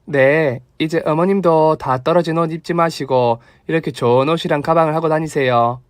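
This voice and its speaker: A man voicing a generous, lively young daughter-in-law with a Gyeongsang dialect, earnest and teasing. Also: on the high side, normal speed, clean tone, dry recording, studio quality, natural voice. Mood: eager.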